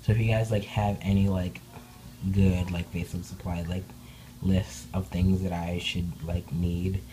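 A woman chatting casually in an indoor room as a doll hobby vlogger, rambling with many filler words and bubbly excitement. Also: rumbling low, measured pace, soft background music, poor audio. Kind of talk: casual update vlog. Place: indoor room, speaking off camera behind dolls.

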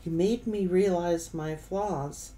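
Slow, halting middle-aged woman reading tarot. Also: on the low side, dark tone, slight background noise. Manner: halting, broken phrases with repeats. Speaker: tarot reader. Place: indoor room, seated at a table.

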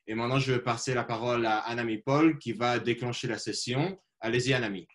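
A young man opens a video call from a small room at home. He reads a formal text carefully, with pauses and fillers where names trip him up. His delivery stays measured. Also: mid-range voice, fairly bright tone. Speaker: moderator. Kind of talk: reading a formal land acknowledgement.

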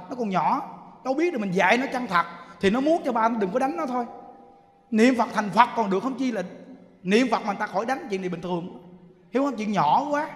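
High-voiced Southern Vietnamese monk preaching. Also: male voice. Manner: emphatic, with rhetorical questions, drops to soft chanting. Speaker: Buddhist teacher. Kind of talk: sermon. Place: temple hall. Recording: echoey hall reverb.

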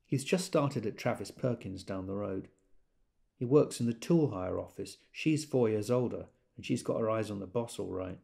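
A man's voice: lowish voice, normal speed, gravelly, a little mellow. An actor playing a wry gay man who tells of a party in an observant, dramatised literary monologue. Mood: reflective.

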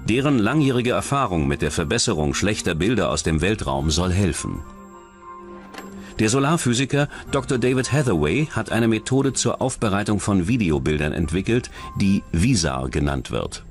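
A man reading scripted true-crime documentary narration in a measured, matter-of-fact manner. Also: lowish voice, expressive. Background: background music.

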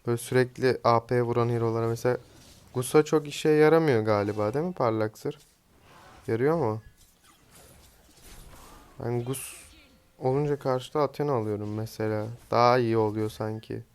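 Smooth-voiced young man chatting over gameplay. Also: mid-range voice, moderate pace, pauses often, a little mellow. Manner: chatty, teasing, swears casually at teammates. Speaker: gaming streamer. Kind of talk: casual live gameplay commentary.

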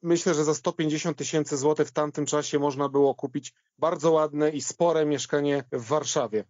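A man with a moderately high voice discusses football history in a conversational, somewhat hesitant way. The sound is dry and close, with a slightly muffled, band-limited top end. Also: fairly even intonation, normal speed, a little mellow, no room sound.

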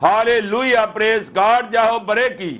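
A man's voice: high voice, fairly even intonation, a little slow, a bit bright. A middle-aged male pastor, preaching fervently with repeated hallelujahs, on a headset mic indoors. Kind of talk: sermon. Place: indoor room with curtains.

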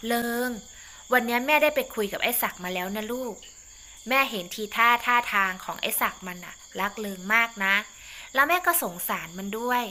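A woman's voice: on the high side, bright, forceful tone, slight background noise. Woman doing a lecturing old mother. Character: older mother-in-law, scolding but kindly.

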